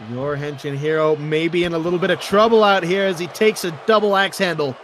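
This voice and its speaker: A man with a high voice calls a wrestling match live. He is an excitable commentator who leans into dramatic exclamations. There is some noise behind him. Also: a little fast.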